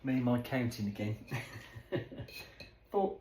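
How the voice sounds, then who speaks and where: A man's voice: medium pitch, expressive, measured pace, roomy sound, background noise. A man chatting to his dog and his viewers while he prepares food in his home kitchen. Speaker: vlogger. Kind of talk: casual running commentary while doing kitchen chores. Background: dishes and kitchen clatter, a fridge gurgling.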